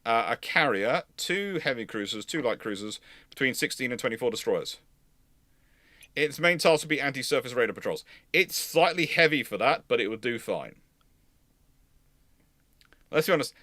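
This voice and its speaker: A man's voice: mid-range voice, expressive, moderate pace, long pauses, pushed and bright, dry recording. A man hosting a history livestream, giving casual expert commentary in an explanatory, digressive and emphatic way.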